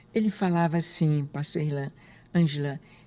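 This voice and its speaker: A woman is speaking. Her tone is dark and mellow. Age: 70s. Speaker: pastor, former dentist. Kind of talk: interview testimony.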